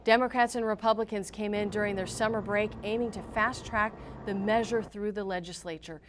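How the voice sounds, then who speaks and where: Woman, American accent, mid-pitched, news reporter, scripted narration, formal and emphatic. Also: steady tone, brisk, background noise.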